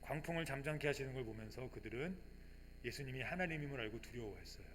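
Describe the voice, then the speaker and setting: A male pastor preaching a sermon with emphasis. He voices his congregation's questions in a casual tone and moves between quiet reflection and loud fervent declarations. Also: mid-range voice, lively intonation, fast talker, big-room sound, slight background noise. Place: church sanctuary.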